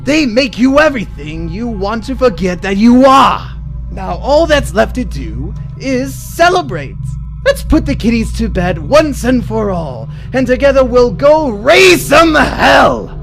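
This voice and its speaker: High, swooping, maniacal clown villain. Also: male voice, sing-song, a little slow, creaky, fairly bright tone, faint music behind, heavily acted. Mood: gleeful taunting. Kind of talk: comic-book radio drama acting.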